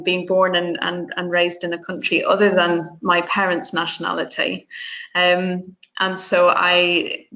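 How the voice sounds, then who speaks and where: A woman in her thirties who grew up in Ireland, giving a teaching presentation. Her voice sits low and stays fairly flat, thoughtful and earnest. She pauses on ums and restarts phrases as she works through her ideas. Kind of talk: recorded conference presentation.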